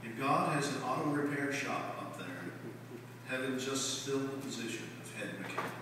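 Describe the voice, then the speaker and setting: Amid strong room echo and noticeable background noise, a man speaks at a moderate pace in a monotone with flat intonation. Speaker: speaker. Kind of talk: eulogy reading. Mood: solemn, warm. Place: hall. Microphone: camera far.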